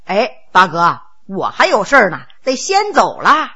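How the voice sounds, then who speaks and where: A woman's voice: medium pitch, huge pitch swings, a little slow, sharp tone, husky, pitched below the performer's own voice, exaggerated voice. A woman storyteller voicing a younger Qing prince, a grinning schemer who teases and mocks his elder brother. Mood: teasing. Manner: brash, teasing and mocking.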